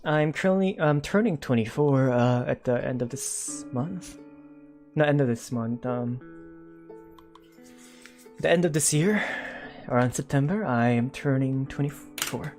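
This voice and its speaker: A man's voice: medium pitch, a little slow, pauses often, darkish tone, faint music behind. A man in his twenties on a casual livestream, chatting with viewers and reading their comments. He rambles, with many fillers and self-corrections. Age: 20s. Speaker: streamer.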